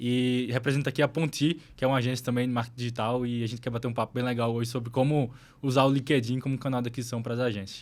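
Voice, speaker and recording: In a very clean recording with a silent background, a man at medium pitch speaks at a very fast pace in a monotone, flat intonation, with hardly any pauses. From Brazil, Recife (Pernambuco). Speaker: digital marketing agency owner. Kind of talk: podcast interview.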